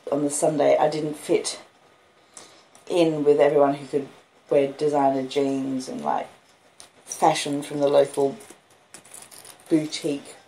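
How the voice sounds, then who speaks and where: A woman's voice: low-pitched, mellow, poor audio. A woman in her fifties with an Australian accent, chatting casually and reading aloud at home in a homely, chatty way. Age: 50s. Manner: chatty, breaks off to talk to pet dogs. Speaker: host reading a classic novel aloud to listeners. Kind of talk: casual homely chat and audiobook-style reading. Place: at home indoors with dogs.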